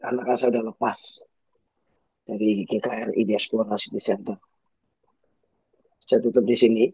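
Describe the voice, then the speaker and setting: A man preaching as a pastor, in a lively, chatty way full of rhetorical asides. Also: on the low side, normal speed, slightly rough, dry recording. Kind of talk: sermon. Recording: dull muffled sound.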